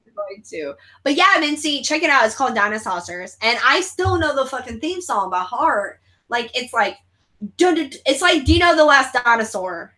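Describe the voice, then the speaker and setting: Lively, bright-voiced joking woman host. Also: sits high, normal speed, poor audio. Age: 30s. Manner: crude, joking, reads chat comments aloud. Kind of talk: casual watch-along chat.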